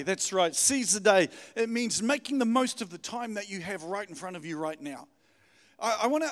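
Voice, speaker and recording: Male preacher, middle-aged, New with influence. High-set voice, exhortatory, repetitive emphasis, long hall reverb. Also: fairly bright tone. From New Zealand. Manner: informal, exhortatory, repeats phrases for emphasis. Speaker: guest pastor. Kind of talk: sermon to a congregation. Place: church hall, speaking to congregation.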